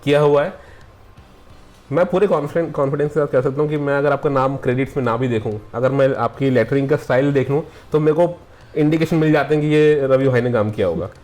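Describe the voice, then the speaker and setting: A man's voice: mid-range voice, fast talker, darkish tone. A man hosting an interview, asking long rambling questions full of fillers and switching into English mid-sentence. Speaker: interviewer, show host. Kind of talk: casual interview conversation.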